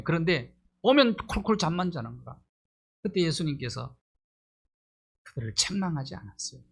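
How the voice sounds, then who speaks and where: A middle-aged male pastor delivering a sermon, pressing his points with rhetorical questions and rising emphasis. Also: a little high.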